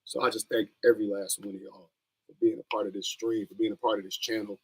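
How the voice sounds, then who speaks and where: This young man talks fast, with a low-leaning, scratchy voice and flat delivery. As the host of a wrestling watch-along stream, he chats casually, rambling and slipping into slang.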